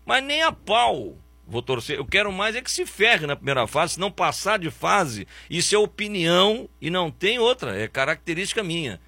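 Man, sports talk host, blunt sarcastic rant, husky bright voice, very animated pitch. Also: moderate pace, few pauses, no room sound. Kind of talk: opinionated football commentary.

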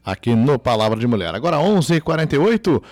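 A man's voice: mid-range voice, big pitch swings, fast talker, a little mellow, no echo. Man announcing on local radio. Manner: announces time and greetings. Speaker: radio presenter.

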